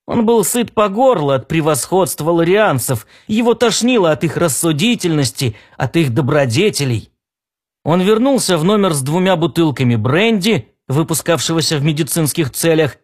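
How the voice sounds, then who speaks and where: A man narrating a science fiction story in an expressive, storytelling manner. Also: a little high. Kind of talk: scripted audiobook narration.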